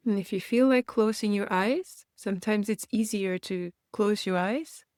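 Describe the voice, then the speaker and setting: Gentle woman guiding meditation, dry close sound. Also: mid-range voice, no room sound. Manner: gentle, reassuring, unhurried pauses. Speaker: meditation guide and host. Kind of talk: guided meditation, gently instructional.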